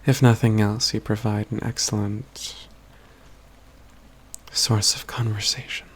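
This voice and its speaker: A hushed, gravelly male mage acted by a man speaks slowly in a soft ASMR fantasy roleplay. He is wry, self-assured and caring, with formal, gently teasing phrasing, over faint background noise. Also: lowish voice, little pitch movement. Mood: warm, wry. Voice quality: breathy, often near-whispered, gravelly.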